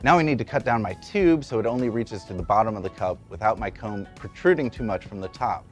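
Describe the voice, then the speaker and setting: A man in his thirties presents a scripted tutorial with a lively, varied pitch. He teaches emphatically, as if demonstrating each step, on a lapel mic with music behind him. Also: fast talker. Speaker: educational presenter and instructor. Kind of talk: scripted explainer lesson. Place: indoor studio at a demonstration table.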